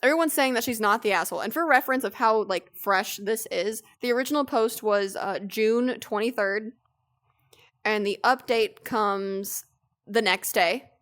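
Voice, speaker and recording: A young woman co-hosting a casual stream, reading posts aloud and telling stories with lively, profane energy. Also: fairly high pitch, moderate pace. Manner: animated storytelling, swears freely. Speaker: streamer, co-host.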